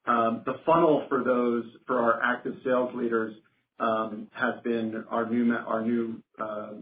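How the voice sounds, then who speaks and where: A man's voice: medium pitch, level tone, a little slow. A man speaking formally as a finance executive presenting on a company earnings call. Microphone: conference phone call. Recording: roomy phone line with noticeable hiss.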